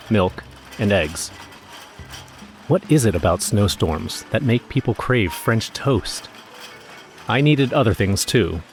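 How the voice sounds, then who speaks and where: A low-pitched actor as a male everyman tells a first-person horror tale. His delivery is wry and measured with an uneasy edge, over a faint music bed. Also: close to an everyday voice. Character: wry, nervous everyman narrator recounting a snowstorm errand.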